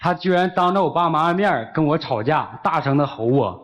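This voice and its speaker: A man's voice: a little high, fairly quick. A man from Liaoning, a guest who protests and defends himself against his girlfriend's complaints. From Liaoning, China. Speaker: guest on dating show.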